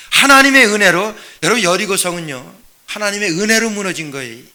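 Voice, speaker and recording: A pastor's sermon voice, male and pitched high for a man, with a very bright, forceful edge. He preaches emphatically, throwing questions at the congregation and answering them himself. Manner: drops to a quiet, rambling aside when telling a personal story.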